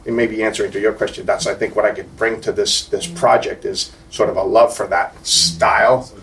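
A man's voice: lowish voice, fairly even intonation, a little fast, a bit bright. Enthusiastic Italian-born man, rambling panel talk. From Italy. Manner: enthusiastic, rambling with many fillers. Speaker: composer on panel. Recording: distant mic, faint background noise.

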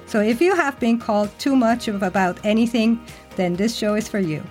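A woman's voice: a little high, normal speed, a little mellow, faint music behind. Bubbly, chatty woman podcast host. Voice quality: bubbly, talkative. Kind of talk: upbeat podcast hosting.

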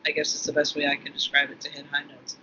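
A man's voice: fairly high pitch, monotone, quick pace, bright, forceful tone. A man co-hosting a podcast, talking casually and rambling with restarts. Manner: rambling, many restarts, laughs easily. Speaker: podcast co-host. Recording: dull lo-fi audio with faint room noise.

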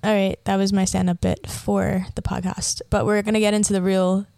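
A woman's voice: mid-range voice, level tone, normal speed, vocal fry, dark tone, no room sound. Chatty young woman podcaster, dry sound. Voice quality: slight lisp from a watering mouth. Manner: chatty, rambling, many "like" fillers. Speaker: podcast host. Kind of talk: casual solo podcast chat.

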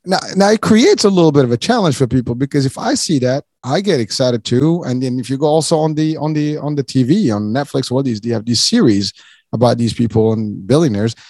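A man's voice: mid-range voice, brisk, darkish tone, no echo, clean studio sound. A man from Morocco hosting an interview, talking in a casual, rambling way with many restarts and asides. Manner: rambling, many restarts and "you know", chuckles often. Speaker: podcast host.

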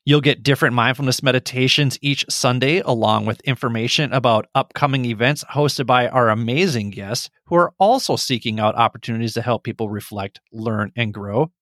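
Calm middle-aged man guiding a meditation. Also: mid-range voice, fairly quick, hardly any pauses, no echo, studio quality. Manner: calm, gentle, instructive. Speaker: podcast host and meditation guide. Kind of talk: guided meditation.

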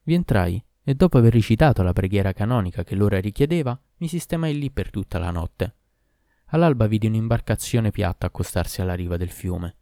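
Low, dark-voiced male storyteller. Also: dry recording, clean studio sound. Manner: steady, measured reading. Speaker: narrator. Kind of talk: scripted first-person story narration.

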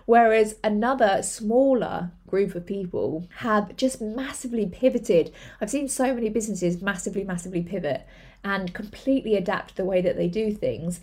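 A woman hosts a podcast, giving a motivational monologue about running a business. Her voice is mellow and warm, at a middle pitch. She talks earnestly and chattily, with lots of fillers and repeated words. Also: normal speed. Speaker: podcast host, entrepreneur.

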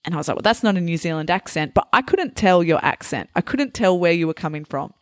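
Chatty woman interviewer, low dry voice. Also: lively intonation, fast, no room sound. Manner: chatty, laughs easily, asks many questions. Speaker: podcast host. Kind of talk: casual interview.

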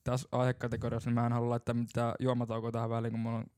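A man's voice: medium pitch, completely flat delivery, a little mellow, no echo, clean studio sound. A young man from Finland hosting a casual drinking podcast, telling stories loosely and laughing often. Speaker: podcast host.

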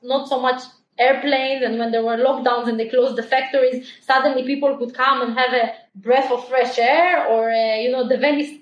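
A woman, a company founder answering podcast questions in quick, eager talk full of fillers. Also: high-pitched, steady tone, muffled recording. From Ukraine, raised in Israel. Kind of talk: podcast interview. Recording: roomy echo.

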